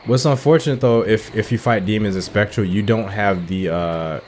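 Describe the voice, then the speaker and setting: Deep-voiced man doing casual game commentary. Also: normal speed, a little mellow, a little hiss or hum. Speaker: gaming streamer doing a playthrough. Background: game music.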